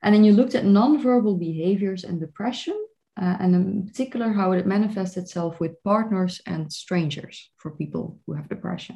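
A woman speaks at a fairly quick pace with ordinary pitch variation. Her medium-pitched voice is somewhat breathy, with a dark, mellow tone. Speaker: university lecturer and podcast interviewer. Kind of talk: interview conversation.

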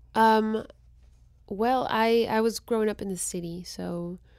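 In a very clean recording with a silent background, a woman with a slight Spanish accent speaks at a fairly slow pace in a fairly high pitch, with ordinary pitch variation. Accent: light Spanish-accented English. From Guatemala. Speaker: singer-songwriter. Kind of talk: casual interview. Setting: studio.

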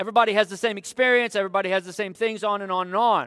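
In a raised, projected voice with a bright, sharp tone, a high-pitched man talks at a very fast pace with fairly even intonation, the recording very clean with a silent background and a dry, close sound with no echo. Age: 50s. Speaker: pastor. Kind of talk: sermon.

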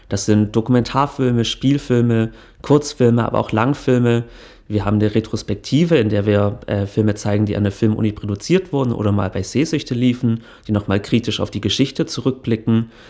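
At a fairly quick pace, a man speaks with medium pitch, ordinary pitch variation and a dark, mellow tone. The recording is very clean with a silent background. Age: 20s. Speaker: film student and festival organizer. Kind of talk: interview. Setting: studio.

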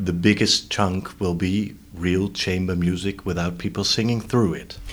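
A man with a Dutch accent and a very deep, low pitch, ordinary pitch variation, moderate pace. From Netherlands. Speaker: opera singer and festival director. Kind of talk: interview.

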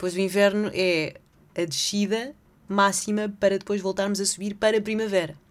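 A woman with a Lisbon accent speaks at a medium pitch and a moderate pace. Her intonation stays fairly even. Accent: European Portuguese, Lisbon. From Portugal, Lisbon. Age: 30s. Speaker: podcast host. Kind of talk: casual solo monologue.

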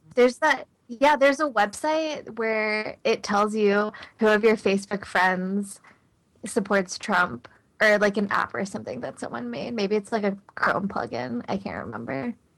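At a moderate pace, a woman of medium pitch speaks in a normal speaking voice with lively intonation. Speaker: podcast co-host. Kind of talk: casual chat.

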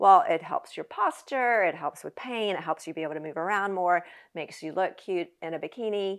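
An unremarkable speaking voice at a fairly quick pace, with ordinary pitch variation and a very clean recording with a silent background. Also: woman. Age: 50s. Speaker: gynecologist and podcast host. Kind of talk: casual interview chat.

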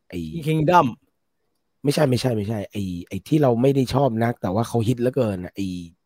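A man's dark, mellow voice with lively intonation, in a dry, close sound with no echo. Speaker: radio show co-host. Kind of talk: casual chat. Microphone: poor audio, hissy sound.

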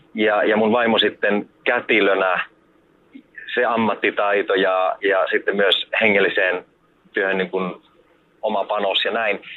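A man speaks at a fairly slow pace with long, frequent pauses. His loudness stays very even throughout. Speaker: missionary. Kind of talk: phone interview. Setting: phone call from a car.

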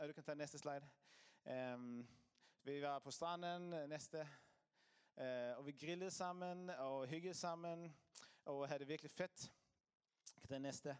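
Speaking at a fairly slow pace with long, frequent pauses, a man with a Swedish accent keeps his fairly high voice in a fairly even intonation. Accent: Swedish accent in Danish. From Sweden. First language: Swedish (speaking Danish). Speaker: pastor. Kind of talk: sermon. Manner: halting.

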